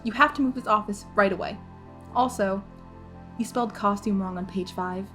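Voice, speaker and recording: A woman's voice: medium pitch, normal speed, fairly bright tone, faint music behind, lightly acted. A woman playing an earnest, talkative, opinionated schoolgirl who lectures emphatically in an audio drama. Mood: indignant. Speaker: podcast drama actress.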